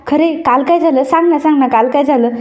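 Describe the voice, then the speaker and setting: A woman's voice: sits high, a little fast, a little mellow, close to an everyday voice. A woman voicing an eager, impatient young husband in a retold soap story. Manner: eager, pressing.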